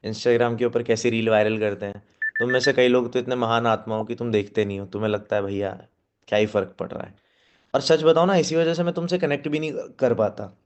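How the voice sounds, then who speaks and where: A man of ordinary middle pitch coaches a room of team members, speaking straight to them. He keeps checking whether they follow and slips English phrases into his talk. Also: steady tone, smooth, dull audio. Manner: coaching, checks in often with a quick question, mixes in English phrases. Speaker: network marketing team trainer. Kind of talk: live training talk to a seated team. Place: meeting room with team present.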